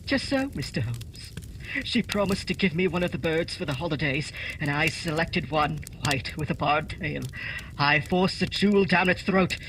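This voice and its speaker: An actor playing a frantic jewel thief who confesses and pleads in a radio play. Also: male voice, fairly high pitch, lively intonation, normal speed, background noise, natural voice. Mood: anxious confession. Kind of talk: holiday radio play acting.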